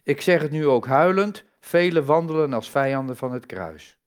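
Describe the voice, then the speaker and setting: A man's voice: on the high side, animated, moderate pace, smooth. A man giving a sermon in a conversational way, asking the congregation rhetorical questions and stressing key words. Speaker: preacher.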